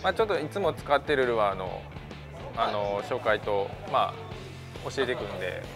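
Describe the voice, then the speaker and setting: A man, a fishing guide explaining lures and spots in a relaxed, casual way with many fillers. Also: lowish voice, moderate pace, music in the background. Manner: relaxed, many fillers, friendly salesman patter. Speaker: fishing guide and pro angler. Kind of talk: casual instruction. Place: tackle shop and bass boat on a lake outdoors.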